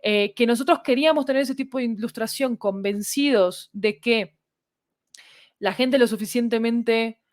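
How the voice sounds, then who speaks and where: A podcast creator on as a guest talks at a moderate pace in a fairly high voice with a Latin American Spanish accent. In casual conversation she thinks aloud as she explains, regularly checking that the listener is following.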